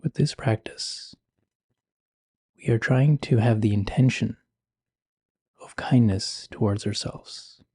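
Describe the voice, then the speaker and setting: A man speaking slowly and gently with long pauses, guiding a meditation in a soft, breathy voice. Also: fairly low pitch. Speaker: meditation guide. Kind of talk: guided meditation.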